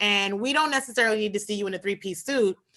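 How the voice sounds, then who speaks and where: On a very clean recording with a silent background, a woman talks at a fairly quick pace with a bright, sharp tone. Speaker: media company recruiter. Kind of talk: panel discussion.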